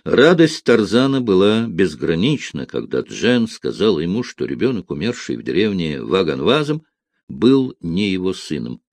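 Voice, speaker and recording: Deep-voiced man narrating an adventure story. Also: sing-song, normal speed, darkish tone, no echo. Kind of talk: audiobook narration.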